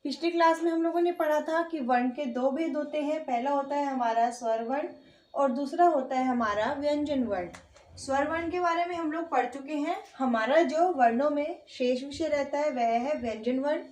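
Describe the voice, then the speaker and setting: Echoey high-voiced woman teaching slowly. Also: a little mellow. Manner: patient, quizzes the class by asking then answering her own questions; slow and drawn out when spelling out letters. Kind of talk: online Hindi grammar lesson.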